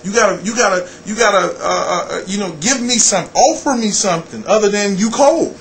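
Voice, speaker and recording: High voiced american guy, middle aged radio type chatting in an interview, blunt, repeats himself, bit of background noise. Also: fairly quick, rough recording. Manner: animated, blunt, repeats phrases for emphasis. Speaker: radio personality and program director, interview guest. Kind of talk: casual interview talk.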